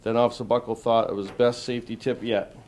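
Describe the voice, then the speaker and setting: A man's voice: medium pitch, flat delivery, fast, darkish tone, slight background noise. A man who is a police officer, reading a picture book aloud to children. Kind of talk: children's storybook read-aloud.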